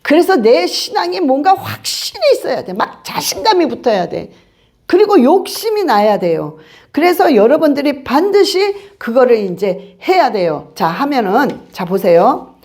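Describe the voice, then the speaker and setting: A woman pastor preaching a sermon in an animated, colloquial way, acting out voices as she goes. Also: sits high, moderate pace. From Korea. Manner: animated, colloquial, acts out voices of spirits and doubters.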